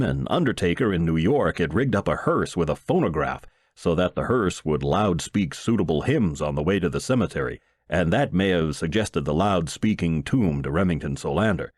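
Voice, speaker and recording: A man reading a first-person short story aloud as an audiobook narrator, in an expressive, folksy storytelling manner. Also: a bass voice, no room sound, studio quality.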